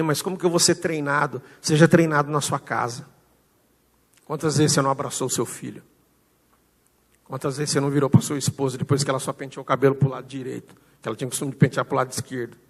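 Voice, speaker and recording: Gravelly Brazilian pastor preaching in a hall. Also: male voice, mid-range voice, fairly even intonation, fast talker. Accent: Brazilian Portuguese. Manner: storytelling, acts out dialogue with shifting loudness. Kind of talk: sermon. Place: church hall.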